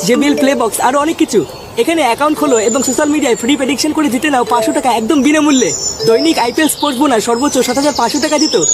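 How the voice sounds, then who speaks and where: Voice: high-pitched, heavy background noise. An announcer giving a scripted, emphatic promotional read. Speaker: advertisement announcer.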